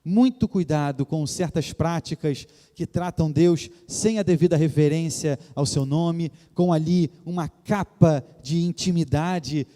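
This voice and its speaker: A male pastor with a Rio de Janeiro accent preaches to his congregation in a reverent, earnest way, pausing for emphasis. His voice is somewhat high, but the tone is warm and mellow. A long church reverb trails each phrase. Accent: Brazilian Portuguese, Rio de Janeiro. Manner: addresses the congregation as "queridos" often. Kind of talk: sermon. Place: church sanctuary.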